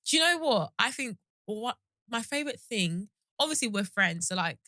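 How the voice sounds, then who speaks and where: Young woman, bright voice, chatty and rambling, dry close mic. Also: fairly high pitch, lively intonation, moderate pace, no room sound. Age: 20s. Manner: chatty, laughs easily, loose and rambling. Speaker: podcast co-host. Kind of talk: casual chat.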